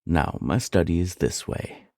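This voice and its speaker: A stern, imperious sorcerer played by a man from a fantasy audio drama. The voice is very low and mellow, with a gravelly edge. The speech is formal and commanding. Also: animated, measured pace, dry recording, clean studio sound, exaggerated voice. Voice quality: gravelly, husky. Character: stern older male sorcerer, commanding and curt.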